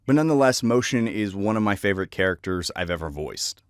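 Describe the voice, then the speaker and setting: A man's voice: lowish voice, lively intonation, fast, clean tone, no echo, clean studio sound. A man talking casually to viewers as a voice actor, presenting favorite characters.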